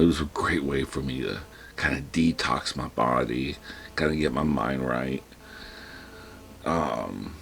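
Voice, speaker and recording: A man's voice: rumbling low, gravelly, fairly bright tone. A man vlogging a personal story in casual, rambling storytelling, breathing heavily. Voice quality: heavy breathing. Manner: rambling, restarts, quotes himself in panicked whispers.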